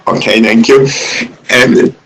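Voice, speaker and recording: A man from Switzerland with a Swiss accent, moderating a webinar question-and-answer session in a hesitant, halting way. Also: medium pitch, steady tone, vocal fry, fairly bright tone, low-quality recording.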